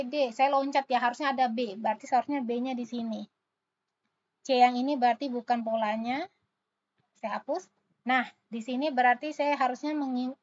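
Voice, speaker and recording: A woman tutor talks through letter-series puzzles, calling out each letter as she works the answer out. Her voice sits a little high. The recording is dull and lo-fi. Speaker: online test-prep tutor.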